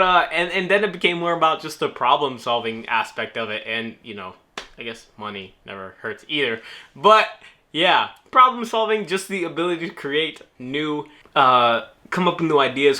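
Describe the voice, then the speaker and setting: Young adult male YouTuber from New Orleans, casual Q&A host, teasing humor, raised voice with a sharp, bright tone. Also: on the high side, moderate pace. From New Orleans, United States. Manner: laid-back, joking, self-teasing. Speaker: YouTuber answering viewer questions. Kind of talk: casual Q&A vlog.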